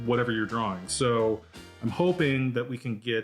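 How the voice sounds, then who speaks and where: A man is speaking. Music plays in the background. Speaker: comic artist. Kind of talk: drawing tutorial talk.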